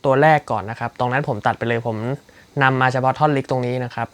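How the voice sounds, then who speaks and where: A man's voice: mid-range voice, fairly even intonation, fast. A man teaching a rock guitar solo lick, explaining technique politely with frequent fillers. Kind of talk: casual instructional talk. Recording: guitar playing behind the voice. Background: loud electric guitar music.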